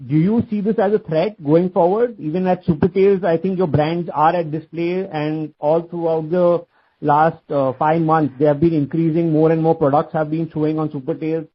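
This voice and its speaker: A man's voice: on the high side, husky. Wordy male caller on a muffled line. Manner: wordy, circling back to restate the question. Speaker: analyst caller. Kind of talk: earnings call question.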